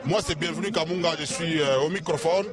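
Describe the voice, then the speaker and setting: A man's voice: fairly high pitch, a little fast. A man announcing the card at an outdoor wrestling show and thanking the crew, with a few hesitant fillers. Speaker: ring announcer. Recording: loud crowd noise. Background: loud cheering crowd.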